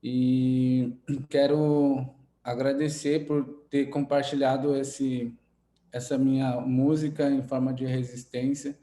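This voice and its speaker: Slow, soft-spoken Brazilian Indigenous man. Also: mid-range voice, level tone, reverberant. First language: an Indigenous language. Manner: hesitant, many fillers. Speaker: Indigenous musician and speaker. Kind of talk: heartfelt online event remarks.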